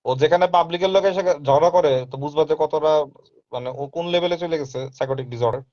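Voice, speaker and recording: A man talks at length in a firm, insistent way, repeating himself and slipping English phrases into his speech. His voice sits slightly high for a man. The recording is dull and lo-fi. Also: quick pace, darkish tone. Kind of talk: casual live talk. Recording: dull lo-fi sound.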